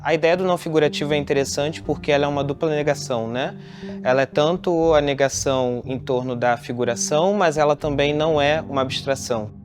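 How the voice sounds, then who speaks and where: A man's voice: on the high side, fairly even intonation, a little fast. A man with a Brazilian accent speaking as a curator in an explanatory, promotional style. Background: music.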